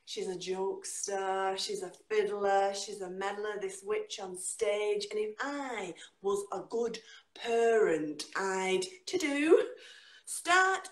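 A middle-aged woman with a Northern English accent, a guest poet who performs her spoken word and chats over a video call from home, with a lively, dramatic delivery. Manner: lively, dramatic delivery with sudden jumps in pitch. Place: home room, indoors. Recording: echoey room on a video call.

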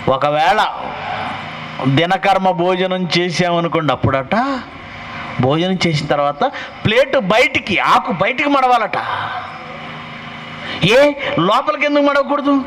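A man's voice: sits high, a bit bright, a little hiss or hum, poor audio. A male pastor preaching a sermon and pressing his point with rhetorical questions. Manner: emphatic, fires rhetorical questions.

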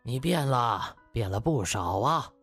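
A man's voice: mid-range voice, animated, measured pace, vocal fry, fairly bright tone, husky, soft background music, heavily acted. A man voicing a humble, genial elderly country doctor with courteous, old-fashioned phrasing in an audiobook. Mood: warm, wistful.

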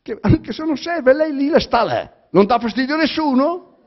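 A man with a Romagna accent reading a theatrical monologue aloud, halting and stammering, full of repetitions and fillers. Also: very high-pitched, lively intonation. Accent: Romagna Italian. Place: public library reading event. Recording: dull lo-fi recording.

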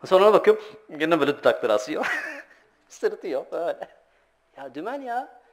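A middle-aged man leads a relaxed sermon, his voice sitting a little high for a man. He moves between plain teaching and stories, doing the voices of the people in them. He laughs now and then as he talks. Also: moderate pace. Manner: animated anecdotes, acts out voices, laughs often. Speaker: religious teacher giving a monthly talk. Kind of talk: informal sermon with storytelling.

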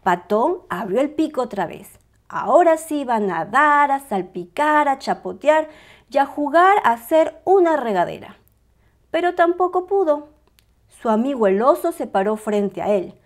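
A woman reading a picture book aloud as a storyteller, with expressive, dramatized narration for small children. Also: high voice, measured pace.

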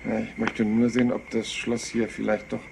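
An actor playing a polite, absent-minded police inspector who rambles apologetically and hesitantly in a crime drama. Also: male voice, on the low side, completely flat delivery, normal speed, creaky, slight background noise. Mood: musing. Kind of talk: dubbed TV crime drama acting.

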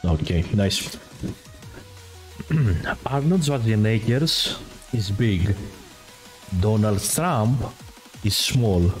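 A man's voice: fairly low pitch, lively intonation, very slow, long pauses, darkish tone. A man hosting a streamed quiz show in English, which is not his first language, playful and teasing, laughing often. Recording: music playing behind.

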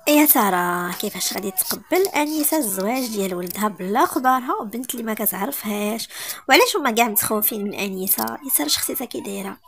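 A woman's voice: fairly high pitch, expressive, fast talker, creaky, a bit bright, a little hiss or hum. A woman with a Moroccan accent narrating a romance story and speaking directly to her listeners.

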